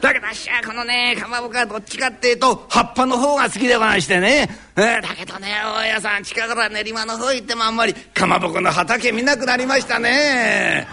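A man voicing a rough-spoken, grumbling poor tenant in a live rakugo storytelling, with an old Tokyo downtown accent. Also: very high voice, sharp tone, full character voice. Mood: chatty. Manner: grumbling, rough, quick retorts. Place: live performance hall.

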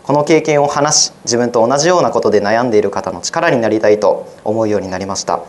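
A teenage boy, a high school student, reading his own essay aloud in an earnest, measured way for a radio program. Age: teens.

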